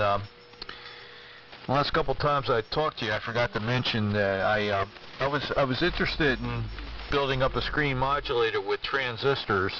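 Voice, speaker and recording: A man's voice: medium pitch, pushed and bright. A man chatting casually as an amateur radio operator over shortwave AM, hesitant and rambling as he thinks aloud. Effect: shortwave AM radio transmission. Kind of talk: casual ham radio chat. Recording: noisy, muffled, distant shortwave radio signal.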